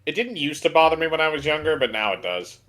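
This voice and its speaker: A man's voice: on the high side, sing-song, quick pace, fairly bright tone, slight background noise. A man co-hosting a game stream, trading casual, blunt banter and reading dialogue. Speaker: co-host of game stream, voicing lines.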